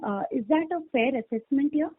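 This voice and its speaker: A woman's voice: high voice, brisk. A woman speaking as a financial analyst, politely asking questions on an earnings call. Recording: dry narrow phone line.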